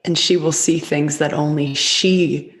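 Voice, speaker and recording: A woman's voice: deep voice, steady tone, unhurried. A woman hosting a podcast conversation, answering with short affirming replies and reflecting back what her guest said. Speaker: podcast host.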